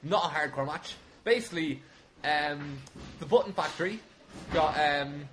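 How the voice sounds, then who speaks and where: A man's voice: on the high side, moderate pace, a bit bright. A man chatting casually as a podcast guest, jokey and rambling, swearing freely. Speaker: podcast guest, wrestling show booker. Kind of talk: casual chat. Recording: clearly noisy background.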